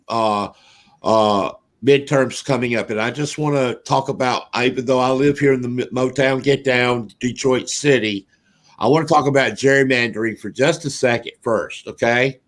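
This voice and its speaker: A man's voice: medium pitch, normal speed, fairly bright tone. Folksy man with North Carolina drawl. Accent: North Carolina Southern drawl. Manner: folksy, rambling, with many fillers. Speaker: radio talk show host. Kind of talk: casual political talk radio.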